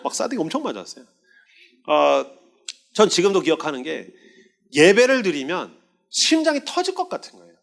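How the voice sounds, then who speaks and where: 생동감 넘치는 설교 목사, 남성. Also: male voice, sits high, moderate pace, gravelly, pauses often. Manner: animated storytelling, acting out voices of soldiers. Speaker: pastor. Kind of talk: sermon.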